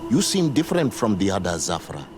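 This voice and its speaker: An actor playing a grave, dignified tribal spiritual mentor in a video game, speaking in a solemn, measured, formal way. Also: male voice, fairly low pitch, huge pitch swings, noisy background. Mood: wary. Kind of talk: video game dialogue acting. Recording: music behind the voice.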